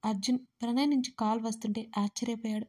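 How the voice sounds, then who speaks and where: A woman narrating an audio story with expressive reading, speaking straight to her listeners. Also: on the high side, fast.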